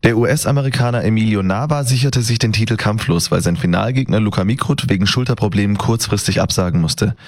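Low-voiced male radio newsreader. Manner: even, measured news delivery. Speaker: radio news presenter. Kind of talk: read news bulletin.

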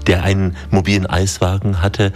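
A man's voice: low-pitched, flat delivery, moderate pace, darkish tone. A man hosting a talk show from a studio, presenting and chatting in a friendly, teasing way. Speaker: host. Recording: music bed behind.

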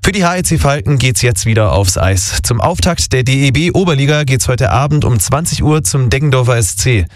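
A man reading a radio sports news report in a brisk, matter-of-fact way. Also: mid-range voice, no room sound, studio quality.

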